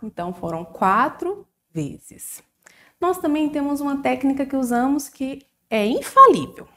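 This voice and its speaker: A woman teacher with a Brazilian accent giving a recorded lesson to young children, slow and sing-song, drawing out syllables. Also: sits high, big pitch swings, pushed and bright. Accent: Brazilian Portuguese.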